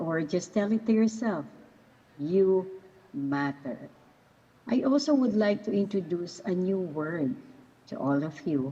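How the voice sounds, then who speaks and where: At a very slow pace, a woman speaks with a medium pitch and lively intonation. Her tone is dark and mellow, and somewhat breathy. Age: 60s. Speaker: resource speaker on emotional intelligence. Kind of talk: seminar talk. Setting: hall with live and online audience.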